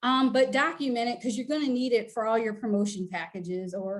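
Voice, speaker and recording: The delivery moves at a fairly quick pace with ordinary pitch variation. It is a normal speaking voice. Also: woman. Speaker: statistician, panelist. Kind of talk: webinar presentation.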